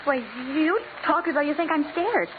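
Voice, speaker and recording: An actress playing a spirited, loyal but jumpy detective's assistant, pert and animated, in a 1940s radio drama. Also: female voice, high-pitched, moderate pace, narrow, tinny audio, lightly acted. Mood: nervous, playful. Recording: noisy, thin 1940s radio recording.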